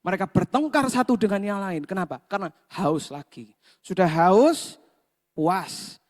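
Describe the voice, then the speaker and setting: A man's voice: sits high, lively intonation, a little slow, long reverb tail. A man preaching a sermon, telling the story with questions to the congregation and acting out the grumbling crowds. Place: church hall.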